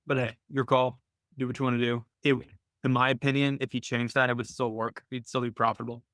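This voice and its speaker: A man's voice: medium pitch, little pitch movement, quick pace, a bit bright, dry recording. A man hosting a weekly live call, talking casually and thinking aloud with frequent "right?" tags and small restarts, close to his mic. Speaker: host of a weekly trading call.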